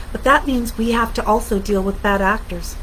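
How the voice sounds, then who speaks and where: Heard with noticeable background noise and audible room echo, a woman talks at a fairly quick pace with ordinary pitch variation. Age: 50s. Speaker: racial justice commentator. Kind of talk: livestream monologue. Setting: live stream from office.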